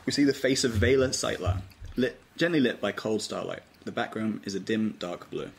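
A man's voice: on the low side, moderate pace, gravelly. A man narrating scripted stage directions aloud at an informal table read. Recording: noisy amateur room recording, clicks.

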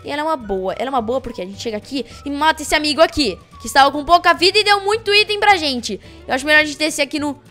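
A young woman from São giving excitable, chatty gameplay commentary and teasing her opponents. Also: sits high, rapid-fire, hardly any pauses, soft background music. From Brazil. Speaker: gaming YouTuber.

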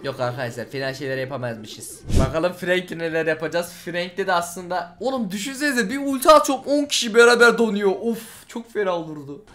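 Young man, high voice, very fast, excited gameplay commentary, repeats himself. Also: slight background noise. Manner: rapid, repeats phrases, shouts at the game. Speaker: gaming channel host.

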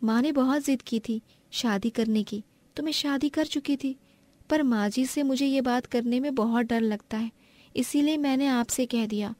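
A woman voicing a meek, dutiful young daughter-in-law in an animated family story, speaking deferentially. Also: high voice, normal speed, no echo, close to an everyday voice. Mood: confiding. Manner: deferential, apologetic.

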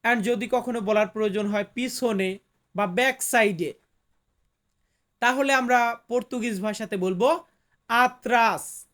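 A man teaching vocabulary in a slow lesson, repeating each word and its meaning. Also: high-pitched, fairly bright tone. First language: Bengali. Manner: slow, repetitive, explains each word twice. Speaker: language teacher.

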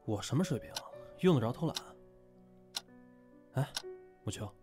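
A man's voice: mid-range voice, expressive, measured pace, over music, close to an everyday voice. A man acting a laid-back, cheeky young comic artist in an audio drama. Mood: smug. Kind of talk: fan audio drama dialogue.

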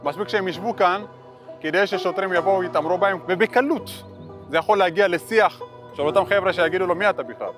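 A man giving a measured, explanatory interview. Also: high voice. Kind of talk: interview talk. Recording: music bed underneath.

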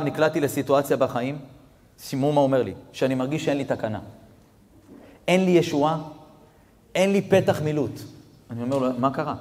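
A man, a rabbi, giving a storytelling sermon that swings between hushed passages and near-shouted peaks, talking straight to his audience. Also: mid-range voice. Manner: addresses audience directly. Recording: long reverb of a hall.

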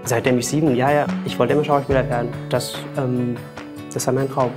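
Man, late 20s, animated, fillers, studio interview, guitar music. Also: mid-range voice, fairly quick. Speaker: scholarship holder. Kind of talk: interview answers. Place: studio against a blue backdrop.

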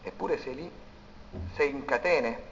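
A man preaching a sermon, swinging between loud declaiming and hushed, intimate passages. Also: medium pitch, a little slow, vocal fry, slight background noise. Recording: dull recording in a reverberant hall.

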